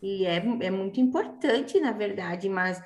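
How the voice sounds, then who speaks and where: A woman's voice: medium pitch, lively intonation, measured pace, darkish tone. Hesitant woman in an echoey room. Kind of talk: casual chat with a colleague. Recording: echoey room, faint noise.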